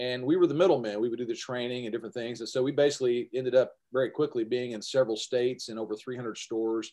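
A man at medium pitch talks at a fairly quick pace in a very clean recording with a silent background. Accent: Kentucky. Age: 50s. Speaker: retired coach and teacher. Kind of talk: casual interview.

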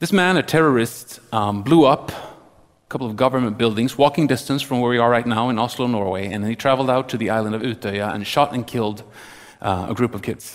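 Speaking at a fairly quick pace, a man with a Swedish accent keeps a medium pitch and ordinary pitch variation. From Sweden. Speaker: reporter and speaker. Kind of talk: talk excerpts.

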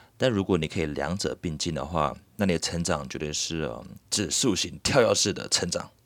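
With vocal fry and ordinary pitch variation, the speaker goes at a moderate pace in a very clean recording with a silent background. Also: man, very deep, low pitch for a man. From Taiwan. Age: 30s. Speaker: podcast host, entrepreneur. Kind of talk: solo podcast monologue.

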